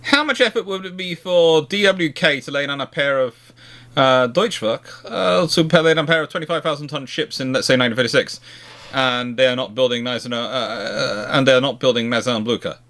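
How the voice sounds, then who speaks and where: A man hosting a casual question and answer chat on naval history, talking haltingly and often circling back to rephrase. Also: mid-range voice, sharp tone. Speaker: live Q&A host answering viewer questions.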